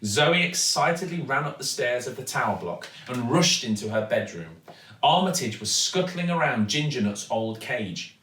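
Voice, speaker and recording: Animated man reading a storybook. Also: medium pitch. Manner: dramatic, deliberate emphasis. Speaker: actor reading a children's story. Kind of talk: expressive storybook narration. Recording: echoey room, distant microphone.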